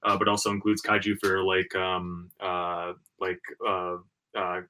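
A tired man co-hosting a casual podcast on a video call, talking in a halting, self-deprecating way. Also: low voice, completely flat delivery, sharp tone. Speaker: podcast co-host. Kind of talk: casual chat.

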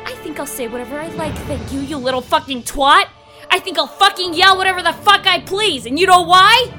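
A woman's voice: extremely high pitch, brisk. A woman playing a sarcastic, defiant, foul-mouthed young demon fighter in an audio drama. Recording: music behind the voice.

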